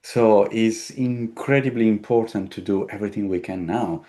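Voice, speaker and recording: Low-voiced man searching for his words. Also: normal speed, warm tone. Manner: searching for words, repeating himself. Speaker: tarot deck creator. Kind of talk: casual interview conversation.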